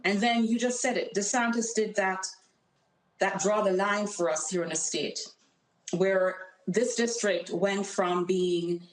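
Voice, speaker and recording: A Jamaican-accented woman running for Congress speaks earnestly and emphatically as a guest on a remote call, her medium-pitched voice carried over call audio. The room sounds echoey and the recording quality is low.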